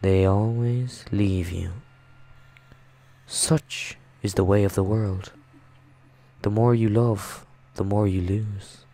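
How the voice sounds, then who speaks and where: A man voicing a possessive, mocking mother in a visual novel, with cloying, drawn-out endearments. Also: fairly low pitch, fairly even intonation, warm tone. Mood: mocking, smothering. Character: possessive, mocking, sinister mother figure, a grown woman. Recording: music behind the voice.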